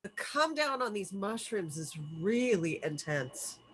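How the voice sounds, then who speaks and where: A woman reads an unsettled, dazed young traveller in a film script. The voice is bright and forward, at a middle pitch for a woman. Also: very animated, measured pace, breathy edge, exaggerated voice. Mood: uneasy. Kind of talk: table read of a film script.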